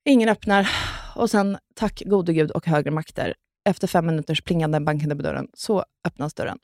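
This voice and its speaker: A woman's voice: sits low, animated, a little mellow, dry recording, studio quality. A young woman co-hosting a podcast, telling a personal story in casual chat and swearing freely. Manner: candid, swears a lot, retells with "jag bara". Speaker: podcast co-host.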